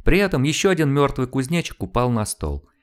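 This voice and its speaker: A man reading a novel aloud as an audiobook narrator, in a measured, expressive storytelling manner. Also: mid-range voice. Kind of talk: scripted literary narration.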